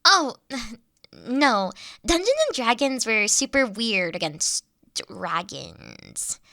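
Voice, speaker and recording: Woman voicing a bashful nerdy dragon girl, high-pitched. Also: very animated, gravelly, pushed and bright, no echo, studio quality, heavily acted. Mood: bashful, geeky. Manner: bashful, earnest, halting, giggly. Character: shy, nerdy, self-deprecating big young female dragon student. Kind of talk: intimate one-sided character audio roleplay.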